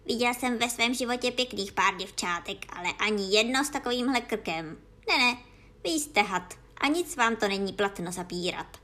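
A woman voicing a suspicious, complaining male pigeon in a storybook reading, with a lowered, gruff, scolding voice. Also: lively intonation, sharp tone. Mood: grumbling.

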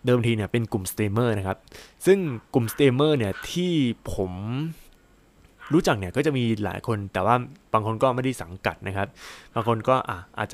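Male podcast host, solo casual chat, rambling and chatty, mid-range voice. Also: medium pitch. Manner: rambling, chatty, frequent fillers and exclamations.

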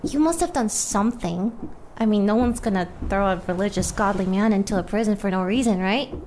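A woman's voice: medium pitch, fairly quick, darkish tone, a little hiss or hum, close to an everyday voice. A woman playing a bored, curious noblewoman, blunt and nonchalant, in casual improvised roleplay.

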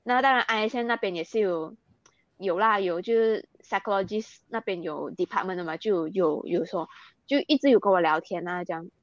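A woman's voice: mid-range voice, brisk, no echo, dull audio. A young Malaysian woman speaking Mandarin with a Malaysian accent, earnestly recounting things in an interview and mixing in English words. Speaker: interview guest, athlete. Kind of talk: candid interview.

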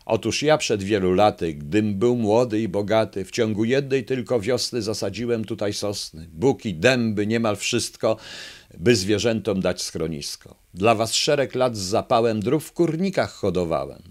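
A man reading as a sly, flattering fox candidate. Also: fairly low pitch. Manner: grand, persuasive speechmaking.

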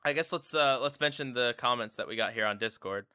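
A man hosting a casual podcast discussion, ranting in an animated, exasperated way with lots of "like" fillers. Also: mid-range voice, a little fast, smooth, no room sound, studio quality. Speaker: podcast host.

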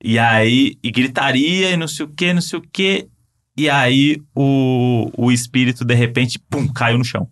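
A man with a Brazilian accent telling a story in casual chat, animated and full of fillers. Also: medium pitch, a little slow. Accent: Brazilian Portuguese.

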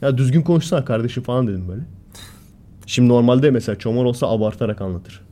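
A man co-hosts a relaxed podcast conversation. His voice is warm and mellow, at a middle pitch. He tells stories with gusto, jumping up in pitch and volume when he acts out people shouting. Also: racing. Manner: animated storyteller, acts out quoted shouting. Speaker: podcast co-host. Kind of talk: casual chat, storytelling.

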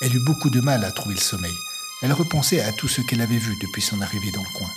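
Male storyteller, low pitch, steady measured read, music bed throughout. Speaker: narrator. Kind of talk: scripted narration of an audio story. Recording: music playing under the voice.

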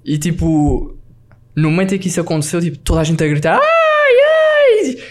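A man telling a lively travel story on a casual podcast, peppered with slang and English words. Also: a little high, quick pace, noisy background.

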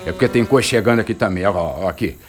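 A man's voice: fairly low pitch, fast talker, faint music behind, lightly acted. An actor playing a careless, dismissive backwoods gunman in an audio drama. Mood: offhand.

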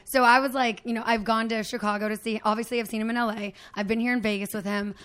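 A woman in her thirties hosting a casual podcast, her voice raspy and a little tipsy, rambling and laughing. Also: on the high side, fairly even intonation, fast, a bit bright. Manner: chatty, tangent-prone, laughs often. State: tipsy from drinking. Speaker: podcast host.

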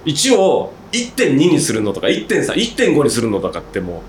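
A man hosting a casual podcast chat, talking at length in a rambling, animated way about his work. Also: mid-range voice, normal speed, echoey room, slight background noise. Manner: talkative, rambling, animated storytelling. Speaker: podcast host, outdoor gear maker.

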